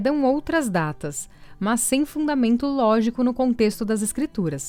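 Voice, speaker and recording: A fairly slow, lively-intoned voice speaks over background music. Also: woman. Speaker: voice-over artist. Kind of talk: Bible study narration.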